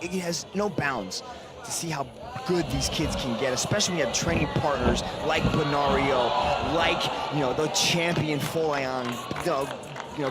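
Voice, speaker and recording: A man's voice: a little high, very noisy. A man giving technical, explanatory live commentary on a mixed martial arts fight as the analyst. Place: ringside at a fight arena. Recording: loud arena crowd behind voice. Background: loud crowd.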